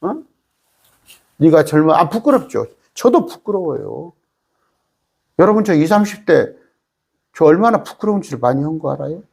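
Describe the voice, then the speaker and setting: Jeolla guy preaching bible study, emphatic and folksy, voice a bit high. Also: normal speed, gravelly, long pauses, breathy edge. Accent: Jeolla Korean. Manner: lively, emphatic, folksy preaching with rhetorical questions. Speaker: pastor.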